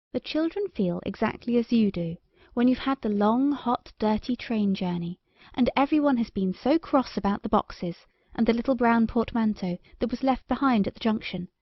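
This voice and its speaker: A woman's voice: fairly high pitch, gravelly, dry recording. Female storybook narrator, dry and slightly muffled. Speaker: audiobook narrator. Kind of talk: scripted storybook narration for children.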